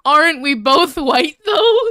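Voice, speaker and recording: A woman's voice: high voice, lively intonation, measured pace, pushed and bright, no echo, studio quality. A woman reading fan fiction aloud in a casual livestream style, breaking up into giggles and swearing as she comments. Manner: crude, swearing banter.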